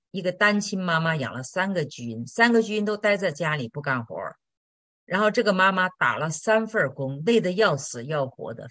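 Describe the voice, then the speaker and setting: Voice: mid-range voice, sharp tone, no room sound. Blunt Christian teacher answering questions, plain everyday chat, dry close sound. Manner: direct, blunt, colloquial with tag questions. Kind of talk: sermon-style Q&A.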